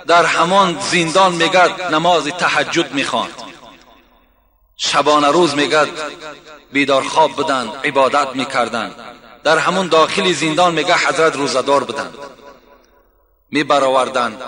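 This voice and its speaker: Preacher telling a story. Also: male voice, a little high. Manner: animated storytelling with many "he said"s. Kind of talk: storytelling sermon. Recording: echoey hall with a crowd.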